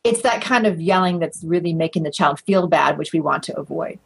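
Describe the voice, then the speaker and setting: A middle-aged woman, a researcher, explaining findings in a measured, conversational way during an interview. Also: low-pitched, vocal fry, slightly rough, rough recording. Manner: measured, explanatory, with light laughs and fillers. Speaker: research guest.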